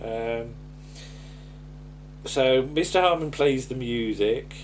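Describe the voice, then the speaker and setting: A man's voice: mid-range voice, takes it slowly. Hesitant, chatty man over noticeable hum. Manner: hesitant, meandering, repeats words and tails off. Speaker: podcast co-host. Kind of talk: casual chat recapping a comedy episode.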